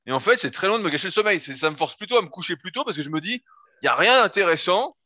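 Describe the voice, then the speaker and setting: Blunt opinionated guy rattling off fast, bright edgy voice, dry lo-fi sound. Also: sits high, lively intonation, no echo. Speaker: podcast co-host. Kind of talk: casual chat.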